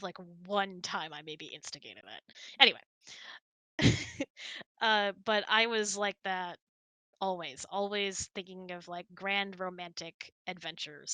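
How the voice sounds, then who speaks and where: A giggly, chatty woman hosting a casual hangout, telling anecdotes and answering questions in an animated way. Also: fairly low pitch, no echo. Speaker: host of a couple's online hangout.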